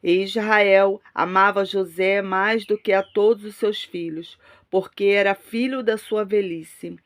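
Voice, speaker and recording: A Brazilian woman serving as an online pastor prays fervently, preaches, and reads scripture, repeating devotional phrases in an emphatic exhortation. Her voice is middle-pitched and steady, a little slow, and she sounds like she has a cold.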